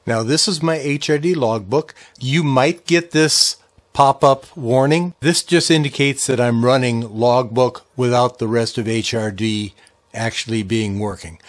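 A man in his sixties hosting an informal ham radio software tutorial, explaining things patiently step by step in a folksy way. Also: medium pitch.

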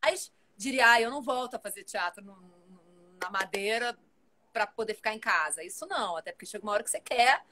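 A woman in her forties chats with animated energy over a video call from home. Her voice sits a little high for a woman, and she talks on in long, busy runs while gesturing. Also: brisk. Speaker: actress, guest. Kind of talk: casual live video chat. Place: home room with plants and shelves.

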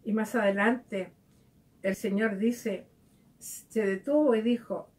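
A woman's voice: medium pitch, steady tone, slow, a little mellow. A woman giving a devotional reflection, speaking conversationally and asking her listeners direct questions. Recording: voice heard from a distance.

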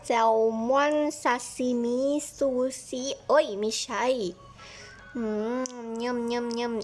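A woman's voice: on the high side, fairly even intonation, slow. A woman chatting playfully through a game role-play, hopping between little characters.

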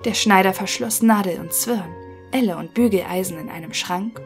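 Calm woman reading a fairy tale. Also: mid-range voice, faint music behind. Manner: calm, measured storytelling. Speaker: narrator.

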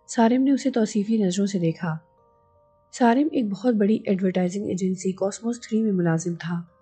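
A woman narrating an audio novel with even, measured storytelling over faint background music. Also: medium pitch, slightly rough.

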